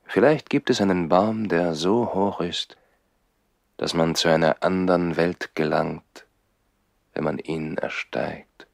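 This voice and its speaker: An actor playing a dreamy young baron who lives in the trees, thinking aloud in a 1960s German radio drama. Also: male voice, sits low, slow pace, creaky, no echo, studio quality, full character voice. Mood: dreamy, musing.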